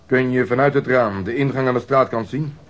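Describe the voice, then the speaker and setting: An actor playing a blunt, hostile, swaggering police detective in a radio drama, curt and scornful. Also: male voice, mid-range voice, fairly quick, highs cut off, lightly acted. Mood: curt, pressing.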